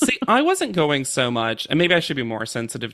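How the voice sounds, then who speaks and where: Someone with a North Carolina accent talks at a fairly quick pace. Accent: North Carolina Southern. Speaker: podcast co-host. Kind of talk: casual chat.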